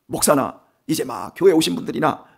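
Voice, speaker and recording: Male pastor, early-morning sermon, husky voice, animated pitch, asks the congregation questions, drops to quiet asides then rises to emphatic declarations. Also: fairly quick. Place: church sanctuary.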